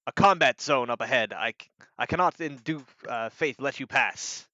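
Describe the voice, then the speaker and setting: A man's voice: medium pitch, normal speed, sharp tone, no room sound, highs cut off, lightly acted. Man doing a stern, officious town guard.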